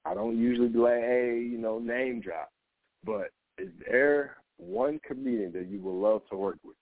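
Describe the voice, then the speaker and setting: A man's voice: mid-range voice, animated, normal speed, vocal fry, no room sound. A man in his thirties hosting a radio show, chatting casually in a laid-back, slangy way. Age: 30s. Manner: laid-back, slangy, lots of "you know". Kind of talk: casual radio interview chat. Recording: dry, phone-like narrow sound.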